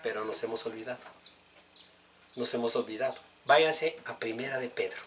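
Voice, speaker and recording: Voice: mid-range voice, normal speed, a bit bright, a little hiss or hum. Emphatic preacher. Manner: emphatic, repeats key words, addresses the congregation directly. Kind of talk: sermon.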